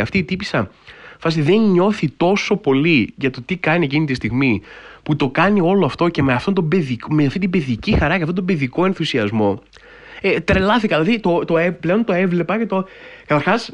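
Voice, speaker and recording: Animated man telling a story, lively pitch. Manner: animated storytelling with frequent filler phrases; wry, incredulous humor. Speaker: podcast host. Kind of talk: casual podcast monologue.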